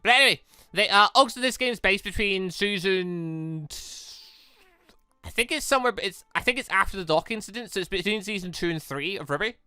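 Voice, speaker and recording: A man's voice: high voice, expressive, a little fast, pushed and bright, clear, resonant tone, dry recording, faint music behind. A man giving casual let's-play commentary, rambling as he repeats and rephrases himself. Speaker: gaming video host.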